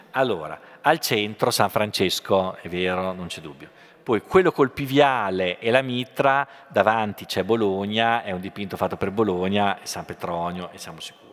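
At a moderate pace, a man with a fairly low pitch speaks with ordinary pitch variation and big swings in loudness. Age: 40s. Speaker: art history lecturer. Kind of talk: lecture. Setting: lecture hall with audience. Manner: halting, many fillers. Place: hall.

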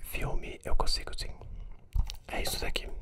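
A soft-spoken man whispering over noticeable background noise. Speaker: film reviewer. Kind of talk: casual vlog chat about a film. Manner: soft close-mic ASMR whisper. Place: home room. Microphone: studio mic.

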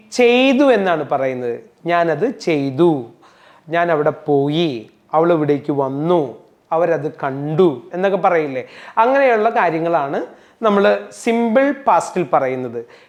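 Against a quiet background, a man's high-pitched voice shows very wide pitch swings but very even loudness. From Kerala. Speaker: spoken English teacher. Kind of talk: tutorial. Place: classroom. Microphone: lapel.

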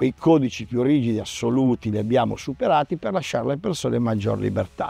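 The speaker moves at a fairly quick pace in a dry sound with no echo. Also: man. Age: 50s. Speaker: high school teacher; teacher in a debate. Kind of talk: discussion of opinions. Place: studio. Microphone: lapel.

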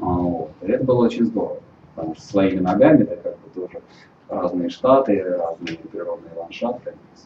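Room echo is audible, with light background noise. A man speaks at a moderate pace, his loudness swinging widely. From Moscow, Russia; Russia. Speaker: professor and broadcaster; guest lecturer. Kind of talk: public talk. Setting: lecture hall with audience. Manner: hesitant, many fillers. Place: meeting room. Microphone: camera far.

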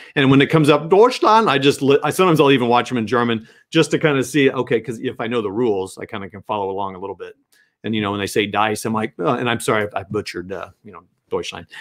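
A man speaks very fast at a medium pitch. His intonation is lively, and his loudness swings widely. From US Midwest (St. Louis area). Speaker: YouTube host of a miniature wargaming channel. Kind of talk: casual live-stream interview chat. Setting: video call live stream.

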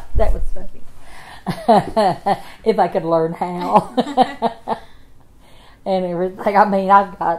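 Very slow speech from a woman in an Appalachian accent, medium pitch, ordinary pitch variation, long and frequent pauses. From East Tennessee. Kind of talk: interview answer.

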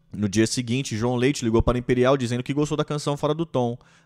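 Against a quiet background, a man speaks. His delivery is very fast. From Brazil. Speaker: youtuber reading a book aloud. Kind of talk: reading aloud. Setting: live stream. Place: home room. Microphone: studio mic.

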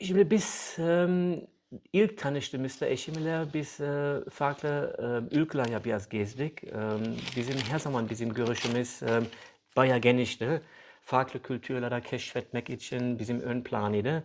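A man with a German accent speaks at a fairly slow pace and medium pitch, with ordinary pitch variation. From Germany, rural. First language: German (speaking Turkish). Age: 50s. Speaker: German expat, former boat tourism operator. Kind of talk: interview. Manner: halting, many fillers.

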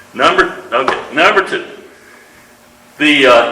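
A man speaks at a fairly slow pace. Noticeable background noise and audible room echo fill the recording. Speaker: park district board commissioner. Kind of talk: public meeting debate. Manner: loud; halting.

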